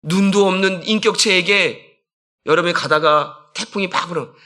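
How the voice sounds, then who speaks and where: A man's voice: high voice, moderate pace, bright, forceful tone. A man preaching a conversational sermon as a senior pastor, asking the congregation questions and acting out quotes.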